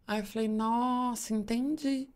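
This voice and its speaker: A woman's voice: on the high side, unhurried. Mother telling a story, acting out dialogue. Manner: animated storyteller, acts out dialogue. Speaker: podcast co-host, mother. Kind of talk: casual storytelling chat.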